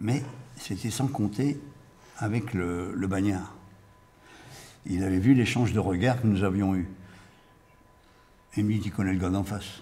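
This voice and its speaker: A man's dark, mellow, somewhat breathy voice at a fairly slow pace, with long, frequent pauses and audible room echo. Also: ordinary pitch variation. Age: 80s+. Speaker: war veteran, former resistance fighter and deportee. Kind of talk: testimony to school students. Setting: school classroom with students. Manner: halting, frequent repetitions.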